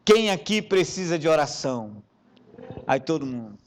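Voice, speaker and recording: A man preaching as bishop, telling funny personal stories, with sudden loud bursts and hushed asides and questions thrown to the congregation. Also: fairly high pitch, moderate pace. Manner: animated storyteller, swinging between loud bursts and hushed asides; addresses the congregation directly with rhetorical questions. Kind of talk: sermon with humorous personal anecdotes.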